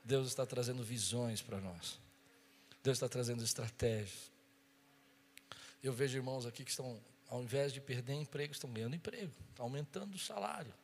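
A man preaching as pastor, moving from quiet storytelling to loud, impassioned calls. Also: mid-range voice, brisk, in a large hall, a little hiss or hum. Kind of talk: sermon. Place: church.

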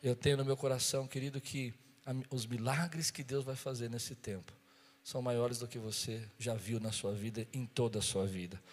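A man preaching as pastor, moving from quiet storytelling to loud, impassioned calls. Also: mid-range voice, steady tone, moderate pace, big-room sound. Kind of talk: sermon. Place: church.

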